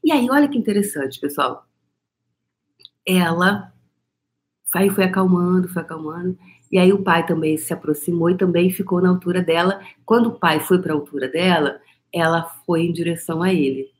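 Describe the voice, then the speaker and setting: Brazilian woman vlogger, lower register, easygoing storyteller who keeps checking in with her viewers. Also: moderate pace. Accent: Brazilian Portuguese. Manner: chatty storytelling, frequent tag questions and laughs. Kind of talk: casual spoken monologue to viewers.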